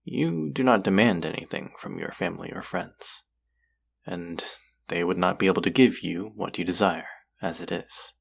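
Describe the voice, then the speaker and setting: A man playing a courtly, possessive demon in a roleplay audio drama, speaking formally and deliberately in a husky, gravelly voice. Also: low-pitched, full character voice. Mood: gentle, consoling. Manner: formal, slow, deliberate, coaxing. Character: possessive, courtly male demon who hungers for hearts. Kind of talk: scripted roleplay audio drama addressed to the listener.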